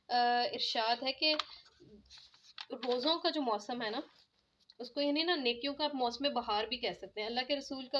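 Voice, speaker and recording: A woman delivers a religious lecture in an earnest, explaining manner. Her voice sits a little high. The recording sounds dull and lo-fi. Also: a bit bright. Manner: earnest, explanatory, frequent filler "jo hai na". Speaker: Islamic lecturer.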